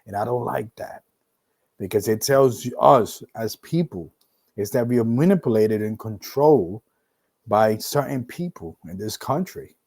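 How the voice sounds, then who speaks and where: A middle-aged man from Puerto Rico with a mixed Puerto Rican and New York accent, hosting a casual solo podcast, animated, with loud whoops and repeated words while he gathers his thoughts. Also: fairly low pitch, unhurried. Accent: Puerto Rican and New York mix. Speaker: podcast host.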